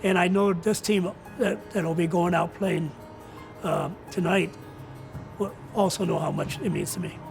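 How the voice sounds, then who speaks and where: Older male coach in an interview: high voice with heavy fry, earnest and deliberate. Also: fairly even intonation, faint music behind, rough recording. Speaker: retiring college soccer coach. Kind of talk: reflective interview answers.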